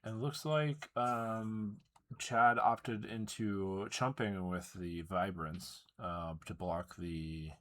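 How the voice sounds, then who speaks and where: Low, thoughtful male card-game commentator. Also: takes it slowly, fairly bright tone. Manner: thoughtful, hesitant, explains his reasoning.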